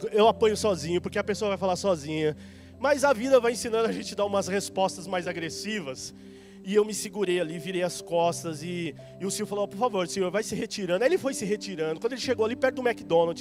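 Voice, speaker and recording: A man with a Brazilian accent preaching in a church, telling a story in an animated, conversational way and talking directly to the congregation. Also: high voice. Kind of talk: storytelling sermon. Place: church hall.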